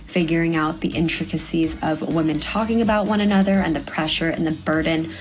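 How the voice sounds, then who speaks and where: A woman in her twenties from Hong Kong, a young actor giving earnest, measured interview answers with the odd "um". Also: deep voice, poor audio. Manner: earnest, measured, with frequent ums. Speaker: guest actor.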